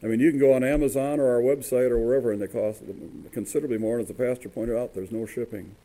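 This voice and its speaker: A man preaching a sermon in a church, his voice rough, often halting with fillers and restarts. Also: medium pitch, fairly even intonation, dark tone, rough recording. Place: church sanctuary.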